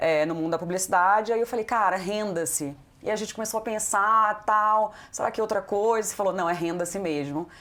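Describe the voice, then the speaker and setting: A woman talks at a fairly quick pace in an unremarkable speaking voice, medium in pitch with ordinary pitch variation. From Brazil, Northeast. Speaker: podcast host. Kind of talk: casual interview.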